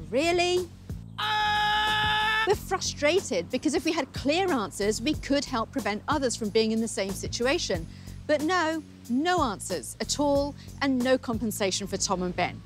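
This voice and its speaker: A woman in her thirties with a New Zealand accent, narrating a consumer news story in a lively, wry and emphatic manner. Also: fairly high pitch. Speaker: consumer affairs reporter.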